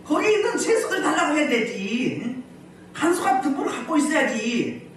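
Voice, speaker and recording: A woman pastor preaching a healing service sermon, animated, often putting questions to the congregation and laughing as she goes. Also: sits high, moderate pace, slight background noise. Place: church hall. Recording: very echoey hall, mic at a distance.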